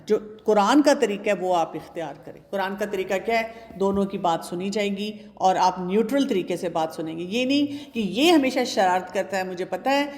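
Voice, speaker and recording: A woman giving a talk on parenting and faith, calmly advising her listeners and addressing them directly. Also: medium pitch, big-room sound. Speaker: speaker answering audience questions.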